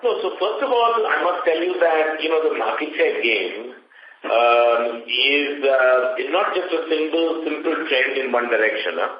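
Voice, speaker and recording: A man's voice: medium pitch, a little slow. A man with an Indian accent speaking as a company executive, answering questions on an earnings call in an emphatic, confident way, often checking in with short tag questions. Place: conference phone call. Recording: echoey, muffled conference call audio.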